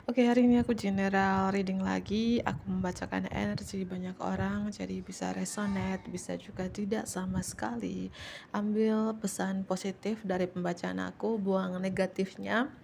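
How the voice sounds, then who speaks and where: A woman giving a casual general tarot reading in a chatty, repetitive way, sometimes dropping to soft whispers and joking playfully. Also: medium pitch, little pitch movement, moderate pace, gravelly, slight background noise. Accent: Indonesian. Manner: playful, teasing jokes. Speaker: tarot reader.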